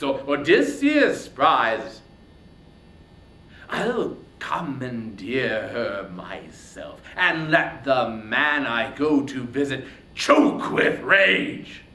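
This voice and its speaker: A man voicing a proud, wrathful, grasping warrior king in a dramatic reading of epic poetry, declaiming haughtily and swinging between hushed and thundering. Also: medium pitch, very animated, very slow, reverberant, exaggerated voice. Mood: menacing command.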